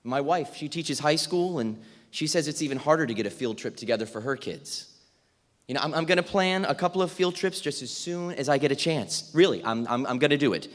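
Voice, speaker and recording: A man playing an overworked, well-meaning fourth-grade teacher in a theatrical monologue, halting and emphatic, with asides. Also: a little high, expressive, natural voice. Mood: apologetic, rushed. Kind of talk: theatrical monologue, dramatic stage reading. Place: reverberant indoor hall at a live reading. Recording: echoey hall, music behind.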